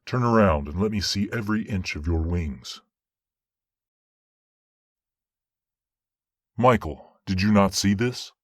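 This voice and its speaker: Male angel judge, voiced by an actor: low, formal, commanding yet fair, with a dry, close sound. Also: moderate pace, no echo. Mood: authoritative. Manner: formal, commanding, even-handed. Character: measured, authoritative male judging archangel. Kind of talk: dramatic audio roleplay acting.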